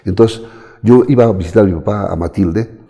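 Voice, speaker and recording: A middle-aged Bolivian man, a guest in an interview, telling his life story in an animated way and acting out the people he quotes. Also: lowish voice, fairly quick. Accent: Bolivian Spanish. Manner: animated, acts out quoted voices. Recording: long reverb.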